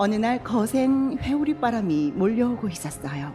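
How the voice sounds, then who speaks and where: Music plays in the background as a woman speaks. She talks at a very slow pace with very wide pitch swings. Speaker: storyteller. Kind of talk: children's story reading.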